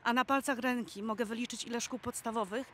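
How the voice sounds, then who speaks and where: A woman speaks at an outdoor press conference in a slightly high voice, earnest and appealing. She talks as a parent and advocate. Faint street noise sits behind her. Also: fairly even intonation, fast talker, fairly bright tone. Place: outdoors in a city.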